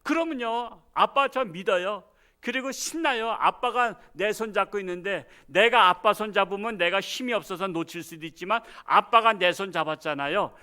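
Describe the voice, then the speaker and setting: A man's voice: high-pitched, moderate pace, sharp tone, smooth. A man voicing a young son who eagerly trusts his father, speaking in a cheerful, chirpy way.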